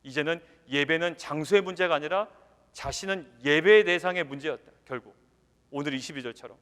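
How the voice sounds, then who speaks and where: Male pastor, raised voice, animated sermon that drops to hushed asides, long church reverb. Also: a little high, brisk, smooth. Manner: animated preaching, swings from loud emphasis to near-whisper, many rhetorical questions. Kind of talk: weekday sermon.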